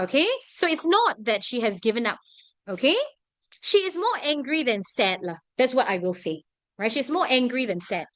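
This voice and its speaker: A tuition teacher with a Singaporean English accent speaks in a high voice, recorded with no room sound. Running an online revision class, she is animated and checks in with students after nearly every point, constantly asking "right?" and "okay?".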